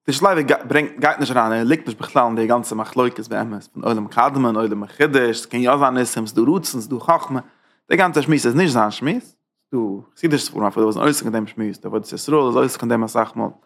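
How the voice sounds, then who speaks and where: Gravelly man teaching Hasidic text. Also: mid-range voice, fairly bright tone. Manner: mixes Yiddish-style German with Hebrew and English terms, halting and searching for words. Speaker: Torah teacher.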